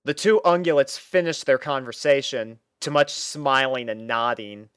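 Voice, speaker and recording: A man narrating a scripted story in a measured, mock-serious storytelling manner. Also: mid-range voice, a bit bright, clear, resonant tone, no echo, clean studio sound. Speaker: fan fiction narrator.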